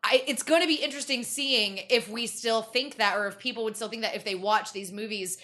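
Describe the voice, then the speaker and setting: Bright-voiced, emphatic woman chatting on a podcast. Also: a little high, brisk. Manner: emphatic, enthusiastic, conversational. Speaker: podcast co-host. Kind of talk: casual chat.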